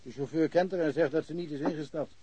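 Chatty, higher-voiced small-town policeman played by a man. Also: quick pace, background noise, lightly acted. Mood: matter-of-fact. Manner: rambling, dryly humorous. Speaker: actor in a radio crime drama. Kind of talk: naturalistic radio play dialogue.

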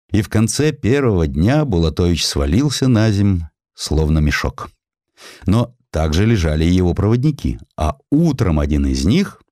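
A man narrating a historical story in an expressive, theatrical storytelling manner. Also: low-pitched, no echo, clean studio sound. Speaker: audiobook narrator.

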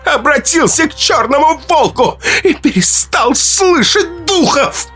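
A man's voice: extremely high pitch, expressive, unhurried, bright, forceful tone, soft background music, voice pushed up, full character voice. A man voicing a frantic, hostile tribal herbalist woman who screams wild accusations.

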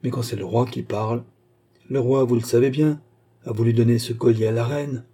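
Man voicing a cagey court jeweller, bowing but calculating, husky tone, storybook. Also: mid-range voice, steady tone, brisk, mellow. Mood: deferential. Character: shrewd, wary male court jeweller.

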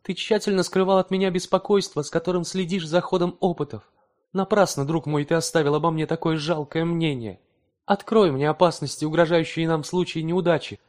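Man doing a proud devoted young wife, calm, dignified, voice pushed way up high. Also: a little fast, lightly acted. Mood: firm.

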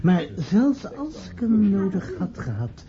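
A man's voice: high voice, sing-song, slow pace, heavily acted. An actor playing a jovial, sociable man at a party in a radio play, muttering and repeating himself. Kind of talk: Dutch radio play acting. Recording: dull old radio recording, crowd chatter.

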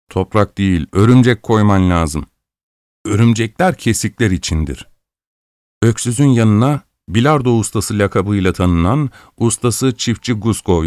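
A man reading a story aloud at a steady, measured pace. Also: lowish voice, no room sound, studio quality. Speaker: narrator. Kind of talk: audiobook narration of a story.

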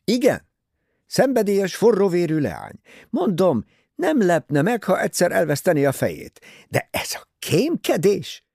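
A man reading aloud, voicing a nervous, agitated young husband who pleads and protests in excited outbursts. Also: sits high, vocal fry, breathy edge, no room sound, studio quality, voice pushed up, full character voice.

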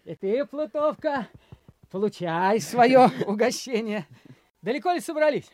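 A warm, jovial young baker lad in uniform for a radio play. The voice is high and bounces around in pitch, with a dry sound. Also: female voice, expressive, measured pace, dry recording. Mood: cheerful, generous. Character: cheerful young army baker, a generous lad. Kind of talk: radio drama acting.

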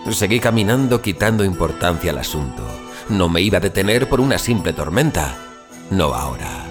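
A man's voice: low-pitched, very animated, moderate pace. A man playing a weary, frightened explorer who recounts his ordeal in solemn, literary, suspenseful first-person audio fiction. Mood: weary, resolute. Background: music bed.

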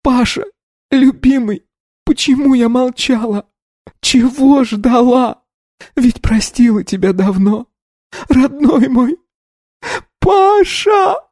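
A man's voice: very high-pitched, animated, slow pace, pauses often, a little mellow, dry recording, studio quality, pitched above the performer's own voice, exaggerated voice. A man voicing a hysterical young woman in an audio story, wailing and sobbing through her grief. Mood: desperate.

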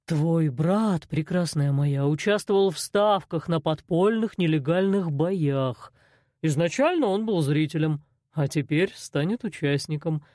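A woman voicing a cold, menacing male loan shark boss in an audiobook, speaking slowly and mockingly. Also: sits low, expressive, warm tone, no echo, clean studio sound. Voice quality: slow, drawling, mocking. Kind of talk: audiobook character voice.

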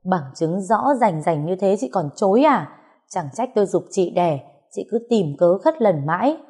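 A woman's voice: mid-range voice, big pitch swings, normal speed, husky. A woman doing a fierce scolding mother-in-law. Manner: scolding, loud, lamenting.

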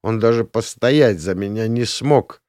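A man's voice: lowish voice, a little slow, darkish tone, no echo, studio quality, natural voice. A man voicing a tearful, drunk young woman who talks in a whimpering, sulky way.

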